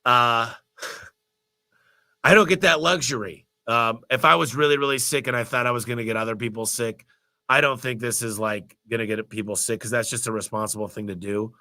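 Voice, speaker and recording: Stuffy-nosed man, bright energetic voice. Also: mid-range voice, normal speed. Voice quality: stuffy, nasal. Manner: energetic, motivational, rambling. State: congested with a cold. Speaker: host of a business Q&A livestream. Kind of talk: live Q&A answering viewer questions.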